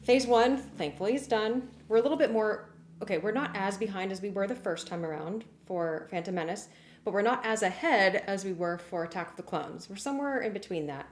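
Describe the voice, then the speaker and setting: A woman hosting a casual livestream, explaining work progress in an informal, halting way as she thinks aloud. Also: mid-range voice. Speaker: livestream host and music arranger. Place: warm indoor room. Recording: roomy echo, clear background noise.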